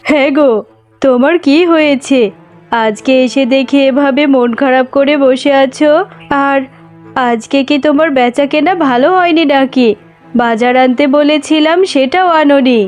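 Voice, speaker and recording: A woman's voice: high-pitched, a little slow, darkish tone. A woman voicing a bossy, scheming tigress wife in a cartoon, with a nagging, decisive manner. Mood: nagging concern. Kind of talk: Bengali cartoon voice acting. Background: music.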